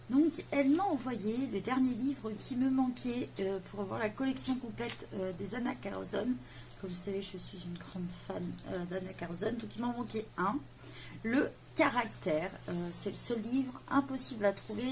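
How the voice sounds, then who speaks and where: A woman's voice: a little high, darkish tone, slight background noise. A woman, chatting casually as she unboxes gifts, full of fillers and self-mocking asides. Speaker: coloring vlogger.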